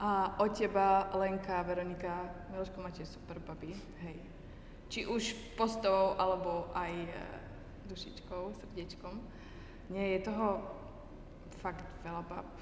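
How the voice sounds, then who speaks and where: Speaking at a fairly slow pace with long, frequent pauses, a woman of medium pitch keeps a monotone, flat intonation amid audible room echo and noticeable background noise. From western Slovakia, Nové Mesto nad Váhom. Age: 20s. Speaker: bikini fitness competitor and horse riding trainer. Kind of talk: interview.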